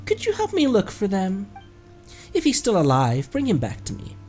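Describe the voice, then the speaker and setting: A man's voice: sits high, huge pitch swings, normal speed, darkish tone, faint music behind, voice pushed up. A man voicing a solemn soldier from a video game, devoted to a missing comrade. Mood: earnest, pleading. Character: solemn Fatui soldier pleading for a lost comrade.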